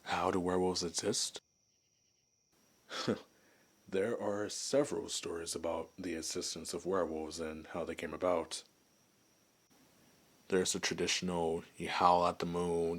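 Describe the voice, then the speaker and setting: In a low voice, a man plays a friendly, gentle werewolf who used to be an adventurer in an intimate ASMR roleplay. He chats hesitantly and with soft amusement.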